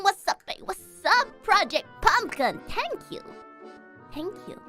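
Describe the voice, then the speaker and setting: A female streamer with a high-pitched, sharp voice chats casually on a live stream, giggling and checking her audio settings aloud. Her mic sounds heavily compressed with added reverb.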